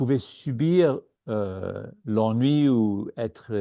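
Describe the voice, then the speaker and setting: Against a quiet background, a man with a non-native accent speaks at a medium pitch in a dark, mellow tone with lively intonation. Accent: foreign accent in French, noticeable. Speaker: speaker on the three principles. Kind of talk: webinar talk. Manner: halting, many hesitations.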